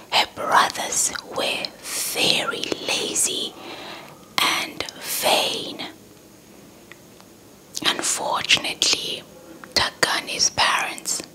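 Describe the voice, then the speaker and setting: A young woman telling a story in a breathy ASMR whisper close to the mic, deliberate and softly repeating words. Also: poor audio. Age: young adult. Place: indoors in front of a dark cloth backdrop. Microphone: handheld small mic with fluffy windscreen, held close.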